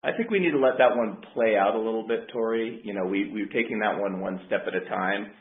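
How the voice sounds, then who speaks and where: A man speaking as a company executive, answering questions on an earnings call in a measured, careful way. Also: fairly low pitch. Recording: roomy, dull conference line.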